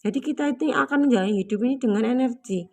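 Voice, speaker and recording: A woman's voice: a little high, fast. Chatty woman giving a spiritual talk. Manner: gentle and chatty, with many filler tags.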